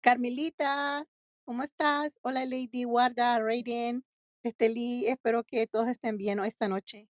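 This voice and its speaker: A woman's voice: on the high side, level tone, a little slow, dry recording, studio quality. A woman in her forties from Nicaragua, co-hosting a podcast and chatting in a friendly way about her life. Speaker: podcast co-host. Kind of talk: casual chat.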